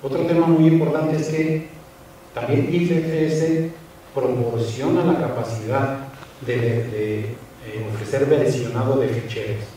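A man's voice: medium pitch, steady tone, warm tone, slight background noise. A man in his thirties from Spain giving a technical talk on a conference stage, explaining step by step and often repeating small words as he searches for the next one. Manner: measured explanatory delivery with frequent hesitant repeats. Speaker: conference speaker. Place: large cinema hall on stage. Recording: echoey hall recording from far off.

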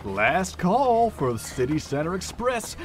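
A man's voice: sits high, very animated, unhurried. A man playing a playful, wry train conductor calling out the last train in an audio drama. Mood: announcing. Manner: drawling, playful announcer calls.

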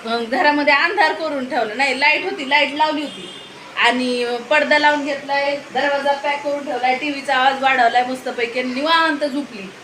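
A woman vlogger chatting at home, telling an animated story and scolding in a casual family vlog. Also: high-pitched, moderate pace. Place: home indoors. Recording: echoey home room with noise.

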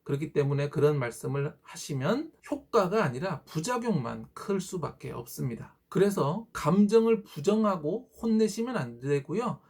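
High-voiced man explaining parenting tips. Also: sing-song, moderate pace, hardly any pauses, darkish tone, husky. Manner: acts out parent and child lines in quotes, polite explanatory tone. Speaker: elementary teacher giving parenting advice. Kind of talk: scripted advice talk to parents.

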